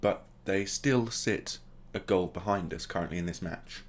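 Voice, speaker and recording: Man, deep voice, casual let's-play commentary, play-by-play with jokey asides. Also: moderate pace. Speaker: gaming channel host.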